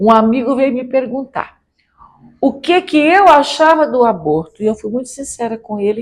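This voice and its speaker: At a moderate pace, a woman talks in a high voice with lively intonation. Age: 70s. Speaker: spiritist lecturer. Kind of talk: spiritist lecture. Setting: hall with live audience.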